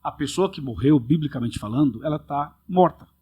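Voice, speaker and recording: A man hosts a podcast as a pastor. He teaches from the Bible in a casual, earnest way and keeps asking his listeners rhetorical questions. His voice sits a little high and sounds husky. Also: expressive, a little fast, dark tone.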